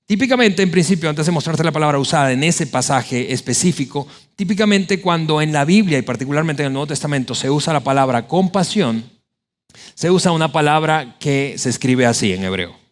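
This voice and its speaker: Predicador de voz aguda y animada. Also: male voice, fairly high pitch, fairly quick. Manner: animated preaching, voices biblical quotes. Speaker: pastor. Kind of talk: sermon.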